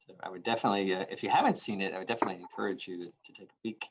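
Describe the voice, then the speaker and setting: Low-voiced man chairing a video meeting. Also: steady tone, rapid-fire, dull audio. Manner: warm, agreeable, hesitant fillers. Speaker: library official leading the meeting. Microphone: video call.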